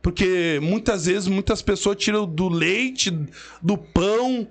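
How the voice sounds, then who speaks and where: A man's voice: sits high, takes it slowly. A man with a Southern Brazilian gaúcho accent giving an emphatic, preacherly religious testimony as an interview guest. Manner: emphatic, preacherly, quotes scripture. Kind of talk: emotional storytelling testimony.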